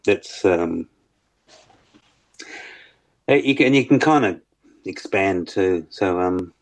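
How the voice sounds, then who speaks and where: A man with a very low bass voice, talking hesitantly as a musician guest in an interview, with many fillers and restarts. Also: lively intonation, takes it slowly, rough recording. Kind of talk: casual interview chat.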